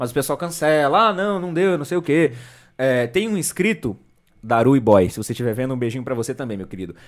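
The voice moves through very wide pitch swings. The recording is very clean, with a silent background. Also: man, fairly high pitch for a man, fairly quick pace. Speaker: self-defense instructor and fighter. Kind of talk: casual chat.

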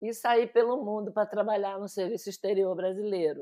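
A woman talks at a medium pitch with fairly even intonation. She has a plain, everyday voice. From Ilhéus, Bahia, Brazil. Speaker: retired diplomat. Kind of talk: casual chat.

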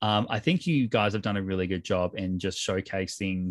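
A man with an Australian accent, fairly low in pitch, at a moderate pace. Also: dry, close sound with no echo. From Perth, south of the river. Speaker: podcast host. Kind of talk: casual chat. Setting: video call. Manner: animated.

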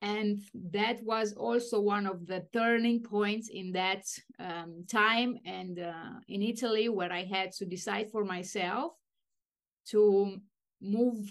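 This speaker has a Romanian accent and fairly even intonation. The pace is very slow. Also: woman, medium pitch for a woman. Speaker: life coach. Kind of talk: interview.

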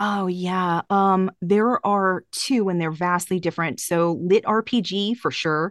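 A woman with a plain, everyday voice speaks at a medium pitch and a fairly slow pace. The sound is dry and close with no echo, over a quiet background. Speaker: audiobook narrator and manuscript editor. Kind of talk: casual interview chat.

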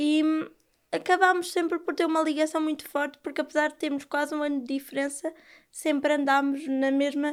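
This woman has a high pitch and talks at a fairly quick pace. Her intonation is monotone and flat. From Portugal, Viseu. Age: 20s. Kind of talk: interview.

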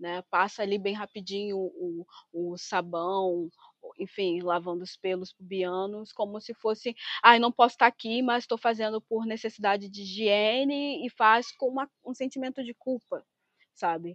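In a normal speaking voice, a woman with a medium pitch talks at a moderate pace with ordinary pitch variation. Her loudness swings a lot, and the sound is dry and close with no echo. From Angola. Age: 20s. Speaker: women's health researcher. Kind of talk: interview.

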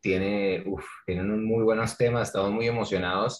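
A man with a fairly low pitch. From Colombia, Barranquilla and Bogotá. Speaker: musician and producer. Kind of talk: interview. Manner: hesitant.

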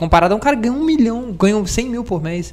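A man speaks here. His pitch swings very widely. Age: 20s. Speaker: e-sports organization founder. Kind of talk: casual chat.

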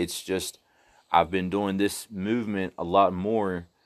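A man with a normal speaking voice talks at a fairly slow pace and a fairly low pitch against a quiet background. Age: 20s. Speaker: podcast host and strongman athlete. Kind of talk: solo podcast monologue. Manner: casual, conversational with fillers.

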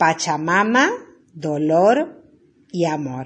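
Somewhat breathy, a woman speaks with very wide pitch swings. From La Rioja, Argentina. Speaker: singer-songwriter. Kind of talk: recorded message introducing a song.

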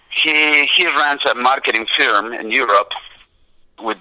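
The sound is dry and close, with no echo. The speaker has an Argentine accent. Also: man. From Argentina. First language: Spanish. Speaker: sports organization president. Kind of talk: interview.

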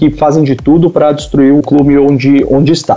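Speaking at a moderate pace, a man has a fairly high voice. It is a plain, everyday voice. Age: 40s. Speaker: marketing executive. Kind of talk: interview.

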